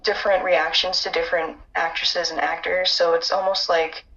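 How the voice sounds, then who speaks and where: A woman's voice: fairly low pitch, level tone, moderate pace, a bit bright, highs cut off. A young woman from upstate New York, a guest speaking earnestly on a casual call, rambling with fillers. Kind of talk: casual chat.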